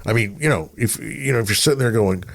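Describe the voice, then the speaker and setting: A middle-aged man with a fairly low voice, talking like a radio veteran in casual conversation. He rambles through stories, circles back on himself and slips into little re-enacted remarks. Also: fast, vocal fry. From Texas, United States. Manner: rambling storyteller, acts out remembered remarks. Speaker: radio personality. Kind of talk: casual anecdotal chat.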